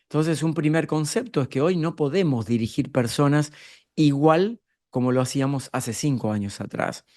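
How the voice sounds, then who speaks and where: A man's voice: a little high, normal speed, darkish tone. Argentine man giving a live leadership talk. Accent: Argentine Spanish. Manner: explanatory, addresses the audience directly with rhetorical questions. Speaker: speaker on leadership and emotional intelligence.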